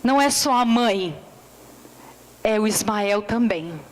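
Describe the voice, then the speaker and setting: A woman pastor with a Brazilian accent preaching a sermon in church, emphatic and calling out to the congregation, often sinking low on tender words of address. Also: animated, slow, low-quality recording. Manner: calls for answers from the congregation. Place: church service.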